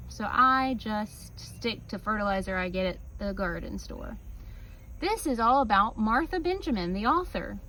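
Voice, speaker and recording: A woman reading a picture book aloud like a teacher, with casual asides and expressive, drawn-out emphasis on key words. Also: mid-range voice, a little hiss or hum, low-quality recording. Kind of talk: children's story read-aloud with casual asides.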